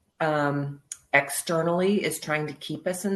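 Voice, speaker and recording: Someone with an American accent speaks at a fairly slow pace over a quiet background. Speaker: spiritual teacher, co-host. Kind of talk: casual spiritual chat.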